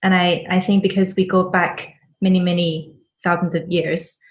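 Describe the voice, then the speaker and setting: A woman's voice: lowish voice, little pitch movement, moderate pace, lo-fi sound. A woman in her thirties, originally from China, answering interview questions thoughtfully and with some hesitation. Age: 30s. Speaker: guest, Hebrew student. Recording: echoey room.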